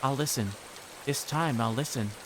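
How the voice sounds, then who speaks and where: A man acts out an unsettling teenage girl in a visual novel, with a raised, lilting pitch. She presses and coaxes with eerie persistence. There is noise in the background. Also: moderate pace, natural voice. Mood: sorrowful, earnest. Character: eerie, insistent teenage girl stalking her friend. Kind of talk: visual novel character read aloud.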